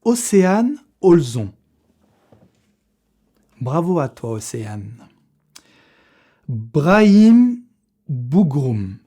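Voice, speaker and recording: Young male vlogger, mellow tone, casual, slangy delivery with swearing. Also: on the high side, sing-song, very slow, pauses often. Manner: slangy, swearing, chatty, laughs often. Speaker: fitness youtuber running a giveaway draw. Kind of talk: casual vlog talk to camera.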